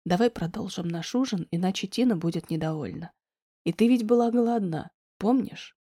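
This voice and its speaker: Woman doing a young man, low, hushed, coaxing, mellow, dry close sound. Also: moderate pace, no echo, lightly acted. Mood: gentle. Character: tender, insistent young man.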